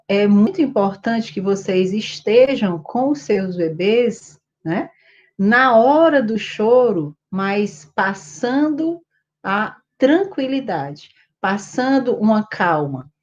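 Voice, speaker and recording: A woman teaching parents about baby sleep in a casual talk to camera, pausing often on fillers and checking that listeners follow. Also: a little mellow. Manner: many hesitant fillers, rhetorical checks with listeners; sing-song high voice when soothing a baby. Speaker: infant sleep educator. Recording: dull lo-fi audio.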